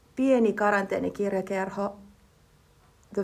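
Her intonation fairly even, a woman speaks with a Finnish accent. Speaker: podcast host. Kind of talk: interview.

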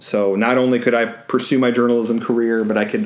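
Monotone and flat in intonation, the voice moves at a moderate pace with audible room echo. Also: man. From Ohio, US Midwest. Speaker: newspaper editor and author. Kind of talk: interview testimony. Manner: halting, many fillers.

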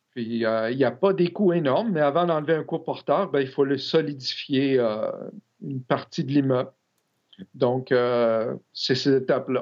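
A man with an ordinary speaking voice talks at a fairly slow pace, at a medium pitch with ordinary pitch variation. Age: 60s. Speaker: real estate broker. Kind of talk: interview.

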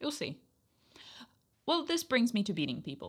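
A woman speaks with a Czech accent, her pitch swinging very widely. The recording is very clean, with a silent background. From Czech Republic. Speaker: podcast host, Quidditch player and D and D player. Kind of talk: casual, jokey solo podcast monologue. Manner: self-deprecating, jokey, rambling.

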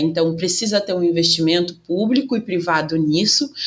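Moderate pace and ordinary pitch variation, with noticeable background noise. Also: woman. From Rio Grande do Sul, Brazil (Rio Grande, raised in Porto Alegre). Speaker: financial consultant. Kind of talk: interview. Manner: halting.

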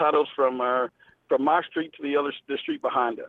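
This man talks at a fairly quick pace, his pitch fairly high. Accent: Memphis. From Memphis, Tennessee, US South. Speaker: professional wrestler. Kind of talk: interview. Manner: halting.

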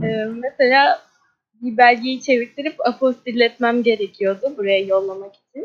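A woman with a high voice and ordinary pitch variation speaks fairly slowly, her loudness swinging widely. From Turkey. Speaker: student. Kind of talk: casual chat.

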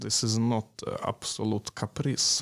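Intonation here stays fairly even. It comes in an unremarkable speaking voice. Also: man. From Sweden. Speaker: orchestra trumpet player, podcast co-host. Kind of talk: casual chat.

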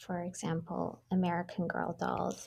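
A woman speaks at a moderate pace with a fairly low pitch. Her tone is dark and mellow, and somewhat breathy. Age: 20s. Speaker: painter. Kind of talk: interview.

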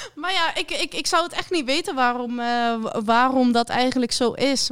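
In a Limburg accent, a woman talks at a moderate pace and a high pitch, with ordinary pitch variation and hardly any pauses. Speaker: DJ and producer. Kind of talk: casual chat.

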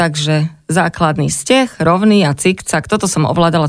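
A woman with a very deep, low pitch and vocal fry talks at a fairly quick pace, with ordinary pitch variation. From southern Slovakia, Rimavská Sobota. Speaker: handmade craft artist. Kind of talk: radio interview.

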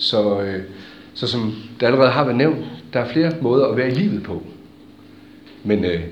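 Audible room echo surrounds a man who talks at a fairly slow tempo. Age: 30s. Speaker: church speaker and organizer. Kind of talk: talk to a church audience. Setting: stage with audience. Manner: halting.

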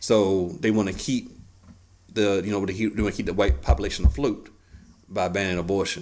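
Speaking at a fairly quick pace yet with long, frequent pauses, a man uses lively intonation, a fairly low pitch and vocal fry. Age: 30s. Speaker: podcast co-host. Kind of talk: casual political discussion.

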